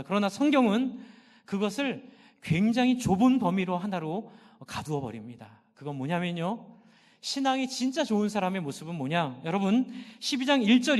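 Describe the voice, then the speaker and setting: A middle-aged male pastor preaches with fervor, his voice pitched high. He throws questions out to the congregation and answers them himself. His voice rings through a church sanctuary with a long, trailing reverb. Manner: impassioned, asks and answers own questions. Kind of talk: sermon.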